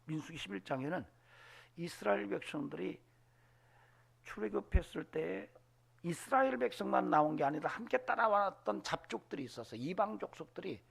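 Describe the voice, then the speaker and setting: A man preaching a Sunday sermon, animated, acting out voices and dropping to whispers. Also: sits high, moderate pace, vocal fry, slightly rough. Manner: animated, acts out voices in quotes, drops to whispers. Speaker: pastor. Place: church sanctuary.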